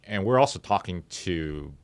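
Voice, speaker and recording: A man speaking as an interview guest and startup founder, explaining his business in a conversational, halting and measured way in a studio. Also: sits low, animated, smooth, dry recording.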